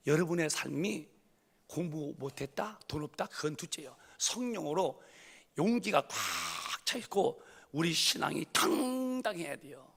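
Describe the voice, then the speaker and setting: A middle-aged man preaching a sermon as pastor, fervent and animated, acting out scenes with loud raised voices. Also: fairly high pitch, vocal fry, breathy edge. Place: church sanctuary. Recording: long church reverb.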